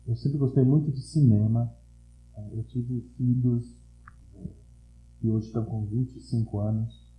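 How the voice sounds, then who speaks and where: A man in his sixties from Brazil with an Italian-influenced São Paulo accent, chatting casually as an interview guest and telling stories in a slangy, animated way. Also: medium pitch, measured pace, pauses often. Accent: Italian-influenced São Paulo Portuguese. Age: 60s. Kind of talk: casual chat. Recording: roomy, echoey sound.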